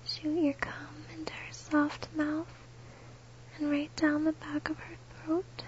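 A woman whispering slowly and intimately, close to the listener, in an erotic audio. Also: high-pitched, completely flat delivery, muffled recording, slight background noise. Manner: slow, breathy, close whisper.

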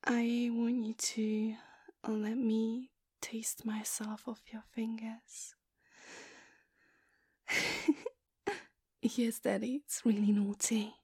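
Young woman for intimate audio roleplay: airy high voice, unhurried, hushed and pleading. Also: flat delivery, no echo, clean studio sound. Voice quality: breathy. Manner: soft whispery pleading.

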